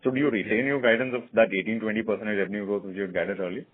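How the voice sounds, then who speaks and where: A man's voice: on the low side, fairly even intonation, racing, breathy edge. A man, a financial analyst politely asking structured questions on an earnings call. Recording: dry, narrowband phone line.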